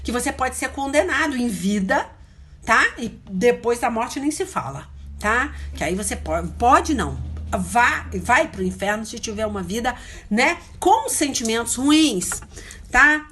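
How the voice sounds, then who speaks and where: A woman preaches in a loose, conversational way. Her fairly high voice swings widely in pitch, often rising sharply for emphasis. She chats with her listeners and breaks off mid-thought to search for verses. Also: a bit bright. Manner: chatty, hunts for verses aloud, frequent "né?" tags. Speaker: missionary preacher. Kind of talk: informal sermon.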